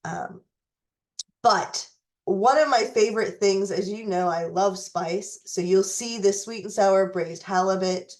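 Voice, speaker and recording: A woman hosting a recipe tutorial who is losing her voice and fighting a cough, talking in a deliberate way with some fillers. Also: medium pitch, a little mellow. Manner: slow, deliberate, with fillers and restarts. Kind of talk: reading a letter, then walking through recipes.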